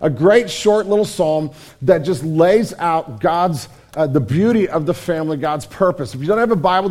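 A middle-aged pastor preaching in a church, his voice raspy and hoarse, earnest and emphatic with many repetitions. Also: on the high side, a little mellow. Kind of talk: sermon. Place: church sanctuary.

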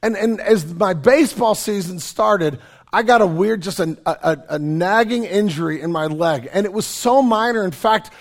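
A middle-aged man, preaching a sermon in a conversational, self-deprecating way with joking asides, his voice raspy and hoarse from a cold. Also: sits high, animated, normal speed. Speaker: pastor.

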